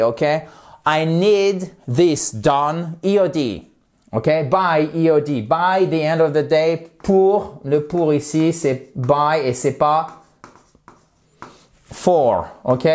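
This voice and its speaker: Guy giving an english lesson, stretches out example phrases, upbeat. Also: on the high side. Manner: lively, drawn-out slow drills of English phrases. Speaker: English teacher. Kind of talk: online language lesson.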